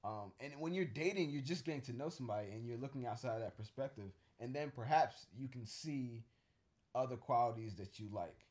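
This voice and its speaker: A man's voice: mid-range voice, brisk, a little mellow. A man co-hosting a casual podcast chat, talking in a rambling, thoughtful way with many fillers and restarts. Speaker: co-host.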